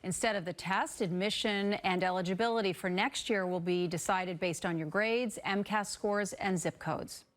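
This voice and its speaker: A woman's voice: mid-range voice, fairly even intonation, moderate pace, few pauses, slight background noise. A woman news anchor reading scripted morning news headlines in a broadcast style.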